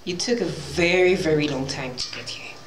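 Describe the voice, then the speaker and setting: A woman's voice: sits low, moderate pace, lightly acted. A young woman playing a sly, teasing serval, a bouncy wild cat, in a live audio drama with mock sympathy. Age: young adult. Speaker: amateur actor in an audio drama. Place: large wood-panelled conference hall, indoors. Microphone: microphone on a stand, filmed by camera. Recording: echoey hall, faint background noise.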